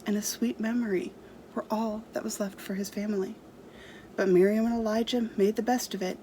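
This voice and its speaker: A woman's voice: medium pitch, a little mellow, a little hiss or hum, low-quality recording. A woman storyteller reading a storybook aloud to children expressively.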